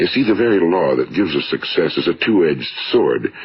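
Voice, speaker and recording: A man with an American accent keeps a fairly quick pace. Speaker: motivational speaker / radio broadcaster. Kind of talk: motivational spoken-word lecture.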